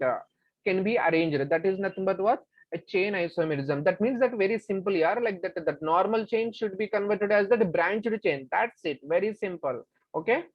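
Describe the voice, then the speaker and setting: A woman's voice: medium pitch, no echo, lo-fi sound. A woman teacher with a South Asian accent explains step by step in a classroom-style lesson, repeating herself and answering her own questions. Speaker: chemistry teacher.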